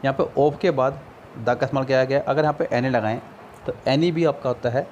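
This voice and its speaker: A man with an Indian accent, a Hindi speaker, tutoring for an English exam over a screen recording, patiently explaining and reading English sentences slowly. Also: medium pitch, darkish tone, highs cut off, a little hiss or hum. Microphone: screen recorder mic.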